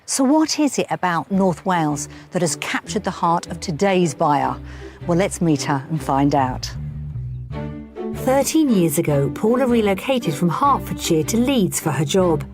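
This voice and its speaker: A woman presenter giving measured, informative scripted voice-over for a television property programme. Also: lowish voice, sing-song. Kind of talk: scripted TV narration. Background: background music.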